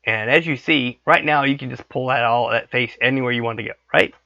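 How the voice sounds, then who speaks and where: A man with a hoarse voice from a cold, talking through a software tutorial casually and checking in with "okay" as he works. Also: medium pitch, fairly quick, no room sound. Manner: thinks aloud, frequent "okay" checks. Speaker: 3D modeling tutorial host. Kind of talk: casual screen-recorded tutorial. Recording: dry, dull lo-fi mic.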